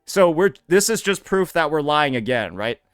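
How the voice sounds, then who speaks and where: Sarcastic, profane man with a clear high voice. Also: big pitch swings, normal speed, no room sound, faint music behind. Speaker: commentary streamer. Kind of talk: reaction commentary.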